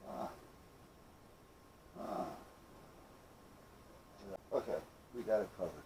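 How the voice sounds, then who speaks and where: A man's voice: sits low, animated, slow, creaky, warm tone, a little hiss or hum, rough recording. A man chatting casually through a hands-on workshop project, rambling and muttering to himself with playful asides. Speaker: hobbyist maker hosting own workshop videos.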